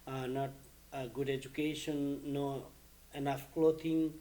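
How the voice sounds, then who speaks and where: A man from Bhutan, recounting his past in an interview in a measured way, listing details between "uh" and "um.". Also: medium pitch, level tone, mellow, a little hiss or hum. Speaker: refugee interviewee. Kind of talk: recorded interview testimony.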